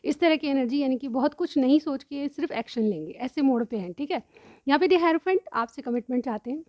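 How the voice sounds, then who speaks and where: Woman doing a tarot reading, kinda sore throat, high voice, dull lo-fi sound. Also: brisk, darkish tone, dry recording. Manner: explains each card, repeats "theek hai" often. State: sore throat with frequent throat-clearing. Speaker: tarot reader. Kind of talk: tarot card reading for viewers.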